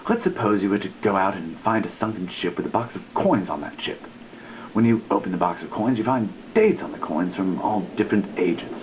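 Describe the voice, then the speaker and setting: A man giving a dramatic reading of a religious text, with deliberate, theatrical emphasis and pauses. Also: lowish voice, lively intonation. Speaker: reader. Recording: muffled lo-fi phone-like sound, background hiss.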